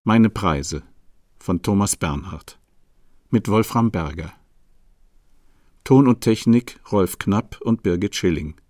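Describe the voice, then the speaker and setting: A man's voice: lowish voice, lively intonation, slow pace, pauses often, darkish tone, no echo, studio quality. A man reading scripted broadcast credits as an announcer.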